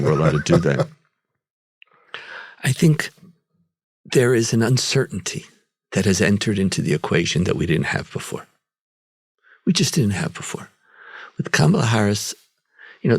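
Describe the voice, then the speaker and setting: A man's voice: fairly low pitch, gravelly, slightly rough, dry recording. A man hosting a podcast discussion, talking earnestly and asking questions. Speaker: podcast host.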